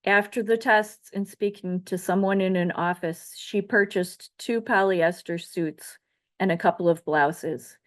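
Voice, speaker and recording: Middle-aged woman from Chicago, author reading her own memoir, measured and reflective, mid-range voice. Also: medium pitch. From Chicago area, United States. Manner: measured, reflective delivery of a prepared text.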